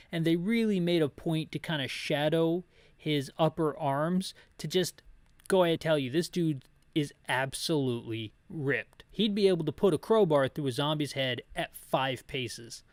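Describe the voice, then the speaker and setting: Higher-voiced man rambling through game commentary. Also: no room sound. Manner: rambling, wry asides. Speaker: video game playthrough narrator. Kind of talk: descriptive commentary with casual opinions.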